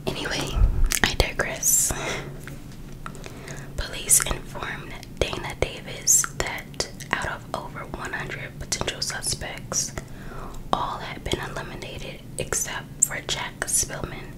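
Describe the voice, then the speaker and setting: An American woman reads aloud in a soft, unvoiced whisper for ASMR. Her delivery is very slow and breathy. She keeps it hushed and informal, like someone reading a book aloud with her own casual remarks. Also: low-quality recording. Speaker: ASMR host reading a true crime book.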